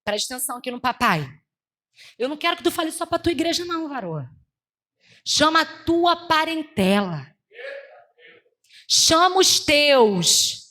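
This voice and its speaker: A Brazilian woman preaching voices God as a solemn, fatherly figure, speaking in slow, measured declarations. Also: sits high, sing-song, pushed and bright, exaggerated voice. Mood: tender. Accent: Brazilian Portuguese.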